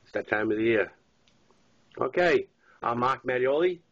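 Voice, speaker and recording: An author with a Boston accent reads his own novel aloud as a memoir-style audiobook, his voice congested and stuffy-nosed from a head cold. He has a medium pitch and an expressive delivery at normal speed, on a dull lo-fi recording.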